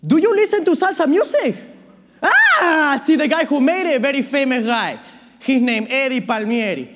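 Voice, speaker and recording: A man playing a Latino immigrant father in a stage monologue, nervously cheerful, with a Latin American Spanish accent and halting broken English. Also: very high voice, sing-song, pushed and bright, a little hiss or hum, exaggerated voice. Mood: excited, chuckling. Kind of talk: dramatic monologue performed on stage. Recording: reverberant hall at a speech tournament.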